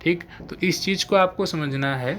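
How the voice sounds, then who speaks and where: A man's voice: a little high, normal speed, fairly bright tone. A man teaching English grammar in a live online exam-prep lesson. He explains step by step and keeps checking whether his students follow.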